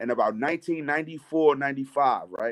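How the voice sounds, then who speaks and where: Recorded dry and close with no echo, a man speaks at a fairly high pitch. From Long Branch, New Jersey. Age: young. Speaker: youth sports coach. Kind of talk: casual interview.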